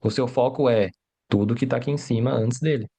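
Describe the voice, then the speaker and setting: Steady and a little fast, his mid-range voice is gravelly, husky, and dark. He learned Portuguese as a second language and uses it to teach Mandarin on a livestream, explaining each step, asking rhetorical questions, and frequently saying "né?" and "tá?".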